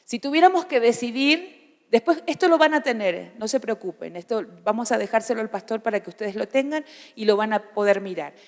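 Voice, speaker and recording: A woman's voice: on the high side, lively intonation, brisk. A woman in her fifties, a pastor's wife, teaching a church parenting class in a humorous, conversational way with frequent restarts. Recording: hall reverb.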